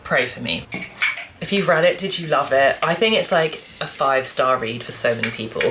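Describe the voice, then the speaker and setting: A young woman, croaky from a cold, chatting casually about books to camera with lots of restarts. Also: rumbling low, expressive, a little fast, background noise. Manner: chatty, rambling, full of "like" and restarts. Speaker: book vlogger.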